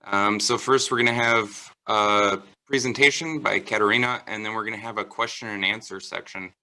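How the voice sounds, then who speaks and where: Young male host, bright tone, relaxed with lots of "uh"s, on a video call. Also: on the low side, moderate pace, low-quality recording. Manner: relaxed, frequent "uh" fillers. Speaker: event host, master's student. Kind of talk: hosting an online Q&A.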